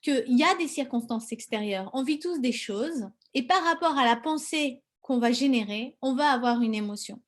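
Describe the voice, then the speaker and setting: Lively chatty woman coach. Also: high-pitched, normal speed, hardly any pauses. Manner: chatty and lively, acts out little inner dialogues, laughs often. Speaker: self-confidence coach. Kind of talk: casual spoken coaching lesson.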